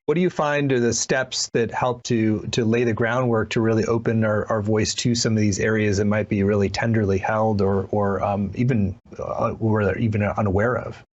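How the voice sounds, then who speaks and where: A man's voice: lowish voice, fairly even intonation, moderate pace, hardly any pauses. Slightly muffled man asking tentative questions. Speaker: interviewer. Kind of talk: conversational interview. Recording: slightly dull, lo-fi audio.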